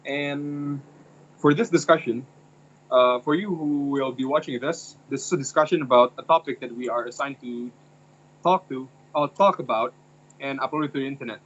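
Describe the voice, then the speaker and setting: A man's voice: mid-range voice, moderate pace, a bit bright. A young man from Indonesia, a university student, talking hesitantly and searching for words in a casual discussion. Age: young adult. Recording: dull lo-fi sound.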